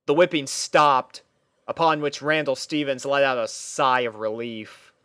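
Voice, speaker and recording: A man narrating a scripted story in a measured, mock-serious storytelling manner. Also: medium pitch, fairly bright tone, clean tone, no room sound, clean studio sound. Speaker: fan fiction narrator.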